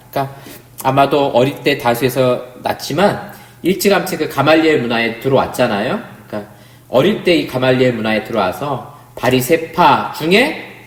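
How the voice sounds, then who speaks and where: Lively-pitched man teaching in an echoey room. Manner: conversational teaching with rhetorical questions to the class. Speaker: pastor teaching a Bible class. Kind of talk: Bible study lecture. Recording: roomy, echoey room sound.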